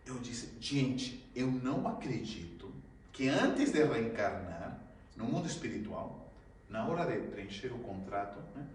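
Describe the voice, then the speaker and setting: A man giving a humorous spiritist talk, acting out his own gasps and shouts and laughing often as he tells the story. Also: medium pitch, lively intonation, unhurried, slight background noise. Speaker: spiritist lecturer. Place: lecture hall. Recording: very echoey hall, mic at a distance.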